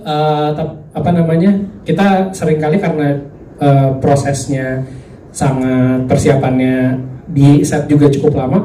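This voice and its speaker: A man, a film actor answering at a press conference, pausing often to search for words. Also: a little high, little pitch movement, dark tone, a little hiss or hum. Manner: searching for words, many fillers. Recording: distant echoey room.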